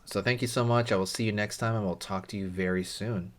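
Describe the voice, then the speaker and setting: A man's voice: lowish voice, steady tone, fast, a bit bright. A man hosting a casual drawing tutorial, talking loosely with lots of fillers and friendly asides while he draws.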